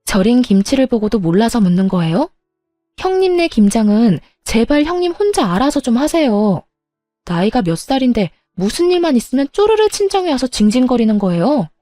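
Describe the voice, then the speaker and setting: A woman narrating a dramatized first-person story as a daughter-in-law, with sharp, defiant retorts. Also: fairly high pitch, big pitch swings, brisk, no room sound, faint music behind.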